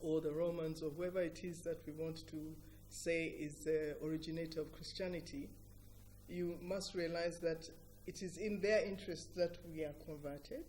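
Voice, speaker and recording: A middle-aged woman with a Ugandan accent, speaking as an interview guest in an earnest, emphatic and deliberate explanatory way. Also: deep voice, steady tone, darkish tone, slight background noise. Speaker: interview guest, cultural organisation director. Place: TV breakfast show interview.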